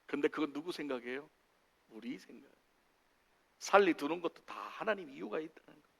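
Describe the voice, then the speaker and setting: A man preaching a sermon in a church, acting out voices with big swings in pitch and loudness. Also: a little fast, vocal fry, husky. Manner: animated, acts out dialogue with big pitch swings. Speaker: pastor. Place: church sanctuary. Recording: long hall reverb.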